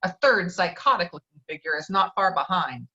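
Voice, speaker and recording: A woman's voice: lowish voice, expressive, brisk, bright, forceful tone. A woman reading screenplay stage directions as scripted narration, heard through slightly dull online audio.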